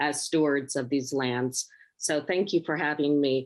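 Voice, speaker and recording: An American woman speaks at a fairly slow pace with a very deep, low pitch and fairly even intonation. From Hawaii and Los Angeles, military family. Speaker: parent in interracial marriage. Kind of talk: panel discussion.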